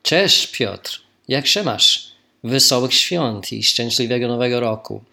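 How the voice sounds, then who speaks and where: A man's voice: medium pitch, lively intonation, slow pace, vocal fry, pushed and bright. A man from Australia, a native English speaker, speaking Polish as a learner with an Australian English accent, in careful phrasing with small slips, as in an informal recorded message.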